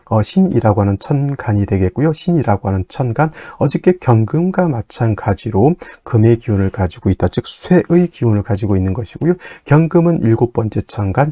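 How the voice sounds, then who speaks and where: A man teaching an astrology lesson in a patient lecture style, repeating terms one by one and often pausing with fillers. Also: lowish voice, warm tone, no room sound. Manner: patient, repetitive drilling with frequent fillers.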